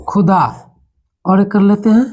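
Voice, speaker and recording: A man's voice: high-pitched, fairly even intonation, a little mellow. Patient man teaching Hindi grammar. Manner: patient, repeats words slowly, checks in with "है ना". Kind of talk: classroom lesson.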